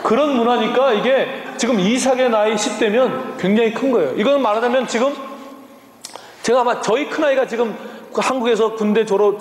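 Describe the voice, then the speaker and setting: A man's voice: high voice, slight background noise. A man in his fifties, a missionary preaching a sermon and telling humorous stories, acting out voices as he quotes people. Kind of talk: sermon with storytelling. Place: church sanctuary. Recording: echoey church hall.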